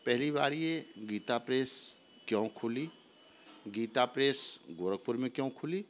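An older man, a manager, answering an interview question in a deliberate, explanatory way, into a handheld mic in an office. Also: medium pitch. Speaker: manager of a publishing house. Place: indoor office. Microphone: handheld mic held by interviewer.

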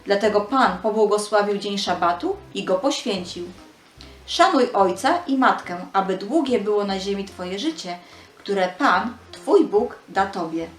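A woman narrates a scripted Bible passage for children in a medium-pitched voice. The recording is noticeably roomy and echoing, with faint music behind it. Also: expressive, a little slow. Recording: roomy echo.

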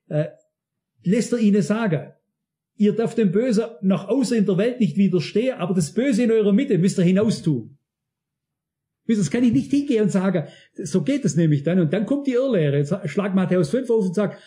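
Male preacher, high-pitched and bright, insistent sermon delivery with direct questions to the congregation. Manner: emphatic, addresses the congregation directly with frequent questions. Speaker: pastor.

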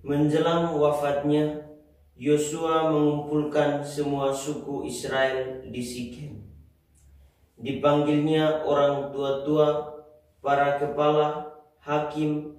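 A young man, a lector, reading scripture aloud in a slow, even voice in a small chapel, heard from a distance. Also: fairly high pitch. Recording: very echoey chapel from far off.

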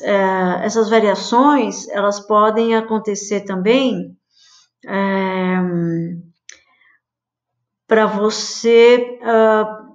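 A middle-aged woman chatting casually through a screen-share design tutorial, full of fillers and friendly pet phrases. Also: medium pitch. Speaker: design instructor. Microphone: webcam video call. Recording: slightly dull lo-fi webcam audio.

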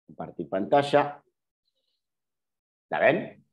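A middle-aged Argentine man teaching an online class, his voice fairly low-pitched. He explains rules patiently, fills pauses with "eh" and corrects himself as he goes. The call audio sounds dull and lo-fi. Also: animated. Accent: Argentine Spanish. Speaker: journalism teacher. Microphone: computer mic on video call.

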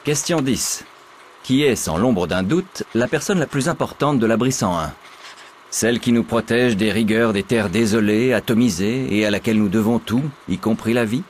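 An actor playing a middle-aged male teacher who gives an exam in a video game, with a dry, matter-of-fact delivery and deadpan humor. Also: on the low side, moderate pace, a little hiss or hum, close to an everyday voice. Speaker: exam proctor. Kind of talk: game character dialogue.

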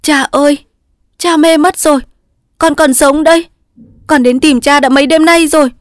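Audiobook role: a woman playing a tearful little girl with shrill, sobbing cries. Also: normal speed, no echo, clean studio sound, close to an everyday voice. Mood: panicked. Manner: high cries. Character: small young girl, frantic and tearful.

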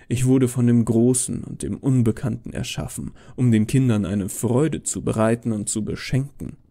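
Creaky, dark-voiced male horror narrator. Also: medium pitch. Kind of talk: scripted first-person horror narration.

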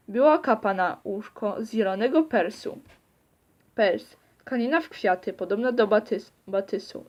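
A woman's voice: medium pitch, a little mellow. A woman reading a novel aloud, often stumbling and restarting words. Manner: halting reading with frequent slips and restarts. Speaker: reader of a novel. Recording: dull lo-fi recording.

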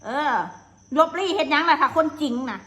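This high, sharp-toned voice belongs to a Lao woman with a Lao accent who is live streaming solo in a furious, insulting tirade full of curses. She speaks in an animated way, fairly quickly.

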